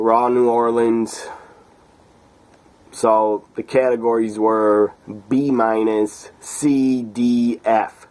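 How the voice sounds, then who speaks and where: Speaking at a very slow pace, a man with a medium pitch holds a very even loudness and a monotone, flat intonation. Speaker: wrestling show reviewer. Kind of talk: solo video review. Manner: casual, occasional coughing.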